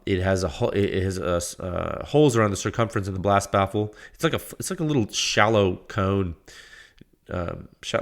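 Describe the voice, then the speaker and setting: Male podcast host, a bit stuffy from a cold, lowish voice, hesitant explainer. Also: a bit bright. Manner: halting, restarts and fillers, explanatory. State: congested with a cold. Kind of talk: technical talk.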